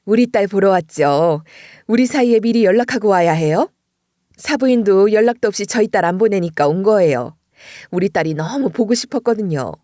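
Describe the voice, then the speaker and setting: A woman's voice: medium pitch, moderate pace, dry recording, clean studio sound, close to an everyday voice. A sly, unbothered mother, as a woman puts her on. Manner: sly, deadpan teasing. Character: unflappable, cheeky middle-aged mother.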